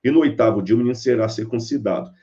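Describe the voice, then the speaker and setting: A man's voice: medium pitch, racing, muffled recording. A man giving a sermon-style Bible lecture, telling stories and acting out the people in them. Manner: animated storyteller acting out characters. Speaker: preacher.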